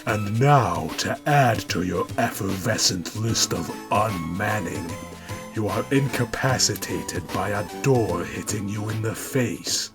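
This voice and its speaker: A man's voice: on the low side, expressive, takes it slowly, over music. A man voicing a haughty, grandiose cartoon cat with pompous, mock-formal declamation. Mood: scornful.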